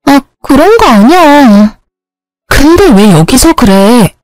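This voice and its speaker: A woman's voice: sits high, big pitch swings, slow pace, darkish tone, no room sound, soft background music, pitched above the performer's own voice, exaggerated voice, low-quality recording. A woman voicing an earnest student younger sister in a storybook narration.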